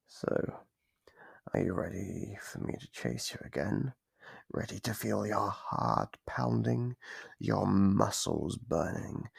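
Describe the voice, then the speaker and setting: A man voicing a playful, sadistic monster from under the bed in an ASMR roleplay, gravelly and breathy, savoring his slow, mock-gentle taunts. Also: on the low side, dry recording, studio quality, full character voice. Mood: pleased taunting. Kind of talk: ASMR roleplay, scripted monologue. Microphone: close microphone.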